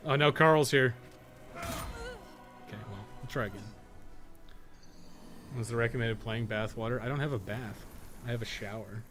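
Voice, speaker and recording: A man's voice: medium pitch, moderate pace, pauses often, music in the background. A man doing casual live game stream commentary, thinking aloud as he plays and swearing bluntly and often. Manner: blunt, heavily profane; rambling, thinking aloud while playing. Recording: noticeable background noise.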